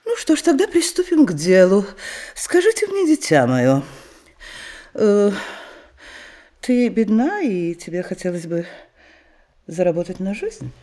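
A condescending older Russian lady of rank in a radio play. Her voice is dark and mellow, with huge swings of pitch. She draws out her phrases as she commands. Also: huge pitch swings, a little slow, pauses often. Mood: patronising, probing. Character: imperious older Russian noblewoman, companion to a grand duchess. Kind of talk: theatrical audio drama acting.

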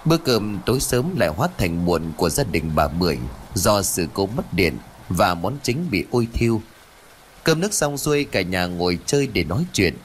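Male narrator, low and very expressive, dramatic ghost story reading. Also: moderate pace, slight background noise.

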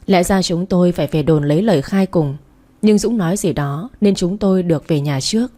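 A woman's voice: lowish voice, fairly quick, warm tone. A woman reading a first-person story aloud, voicing the characters herself. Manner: dramatic reading that voices every character.

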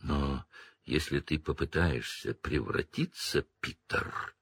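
A man voicing a bitter, furious adult wizard with a low, seething growl. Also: takes it slowly, fairly bright tone, husky, dry recording, studio quality, heavily acted. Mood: grim.

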